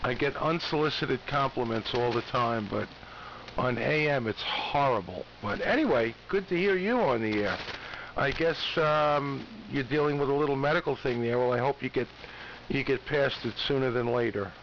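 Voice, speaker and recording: Muffled AM radio, noticeable static, American man, medium pitch, casual ham radio operator talk. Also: normal speed. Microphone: ham radio transmission.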